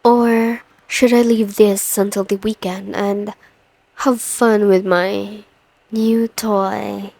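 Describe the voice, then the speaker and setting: A woman playing a confident, teasing, dominant boss in an intimate ASMR roleplay, with a commanding, coaxing manner and deliberate pauses. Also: medium pitch, level tone, vocal fry, darkish tone, no room sound. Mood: possessive, pleased. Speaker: audio roleplay performer.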